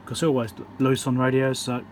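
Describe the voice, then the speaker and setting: A man's voice: medium pitch, little pitch movement, fairly quick, a little mellow, a little hiss or hum. A man with a New Zealand accent giving a casual, unscripted, matter-of-fact walkthrough as he works at an indoor bench. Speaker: electronics repairer presenting his work. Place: indoor workbench.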